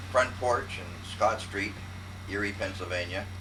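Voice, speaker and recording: A man's very deep, low voice amid noticeable background noise and audible room echo. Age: 50s. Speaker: family member telling oral history. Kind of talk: casual chat. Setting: outdoors.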